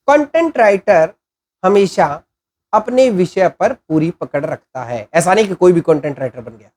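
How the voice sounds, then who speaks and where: A man hosting an informal spoken lesson, explaining deliberately and answering his own rhetorical questions. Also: high voice, darkish tone. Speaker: channel host explaining content writing.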